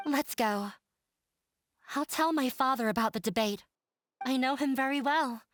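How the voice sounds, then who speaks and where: Determined young woman, firm, resolute, high voice. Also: measured pace. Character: determined young woman defying a stern father.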